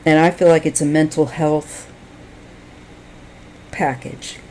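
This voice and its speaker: A woman giving a tarot reading, speaking in a slow, halting, reflective way while she is losing her voice. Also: low-pitched, fairly even intonation, a little mellow, slight background noise, poor audio. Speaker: tarot reader.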